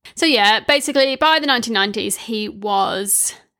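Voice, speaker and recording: On a very clean recording with a silent background, a woman in a New Zealand accent speaks at a moderate pace with very wide pitch swings. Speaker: podcast host. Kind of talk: casual Q&A monologue; solo true-crime narration. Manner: casual with fillers.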